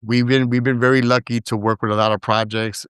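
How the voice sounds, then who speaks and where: A man's voice: mid-range voice, little pitch movement, a little fast, a bit bright, clear, resonant tone, no echo, studio quality. A man from Brooklyn who grew up partly in Puerto Rico and spoke Spanish first, telling stories as a podcast guest with lots of fillers and restarts. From Brooklyn, New York, with years in Puerto Rico. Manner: rambling, frequent fillers and restarts. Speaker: podcast guest, digital media founder. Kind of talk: casual storytelling interview.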